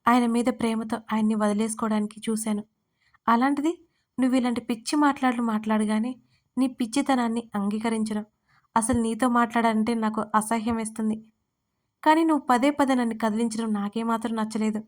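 A woman's voice: a little high, fairly even intonation, brisk, natural voice. A woman voicing a married young woman who speaks bluntly, coldly and with sarcasm. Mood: scornful.

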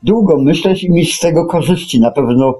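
A man co-hosting a radio talk show, commenting conversationally in a sardonic, deliberate manner. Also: on the high side, dark tone, slightly rough, faint music behind.

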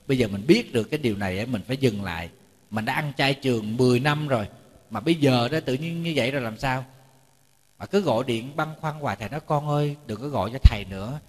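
Speaking quickly at a medium pitch with a slightly mellow tone, a male monk delivers a chatty sermon full of stories, repeated words, and jokes for his listeners. The setting is a temple lecture hall with a reverberant sound.

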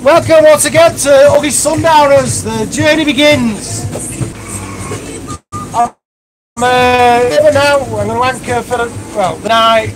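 A man's voice: very high-pitched, measured pace, low-quality recording. A man in his forties vlogging live from a sailboat on a river, talking in a rambling, sweary, chatty way into a phone held at arm's length. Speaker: vlog host. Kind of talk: casual live sailing vlog. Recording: wind noise and loud music. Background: boat engine, wind and music.

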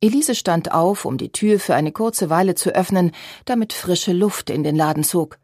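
Low, breathy woman narrating an audiobook. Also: normal speed, a little mellow, no room sound, studio quality. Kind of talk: scripted narration.

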